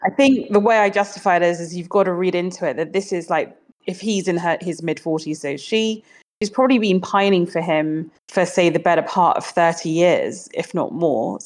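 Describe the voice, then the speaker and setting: A woman's voice: on the low side, moderate pace, a little mellow. A woman co-hosting a book podcast, talking enthusiastically and reading passages aloud. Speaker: podcast co-host. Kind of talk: casual book discussion.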